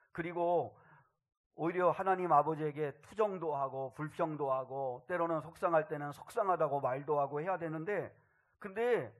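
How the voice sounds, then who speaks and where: Male pastor, slightly high voice, sermon storyteller, swells into loud, impassioned bursts. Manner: storytelling, rising to loud emotional outbursts.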